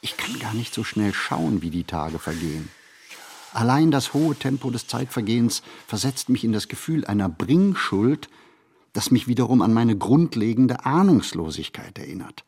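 A male actor playing a brooding, observant city wanderer in a literary radio play, speaking in measured, deliberate phrases. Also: mid-range voice, big pitch swings, darkish tone, a little hiss or hum. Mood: restless, wry. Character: brooding, observant male city flaneur narrating his thoughts.

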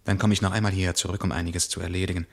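An actor playing a brooding, observant diarist who narrates a 1960s German radio play. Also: male voice, low-pitched, flat delivery, very fast, vocal fry.

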